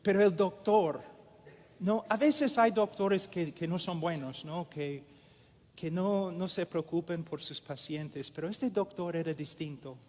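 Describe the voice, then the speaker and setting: Slow emphatic male preacher, reverberant hall. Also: high voice, darkish tone. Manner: slow and emphatic, repeating phrases. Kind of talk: sermon.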